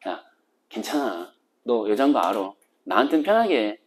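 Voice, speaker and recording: A teacher voicing a frank, kind young noblewoman who speaks to her new spouse in a soft, low, confiding way. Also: sing-song, normal speed, lightly acted. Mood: gentle reassuring.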